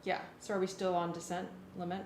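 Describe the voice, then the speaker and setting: Woman chatting at rehearsal, talks fast, roomy sound, a bit of noise behind. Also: on the low side, little pitch movement, darkish tone. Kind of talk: casual rehearsal talk. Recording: echoey, noisy rehearsal room.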